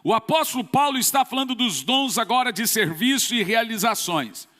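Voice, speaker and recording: A man's voice: extremely high pitch, lively intonation, moderate pace, sharp tone. A man from Brazil, a pastor preaching an emphatic sermon with sudden bursts of force. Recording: long church reverb.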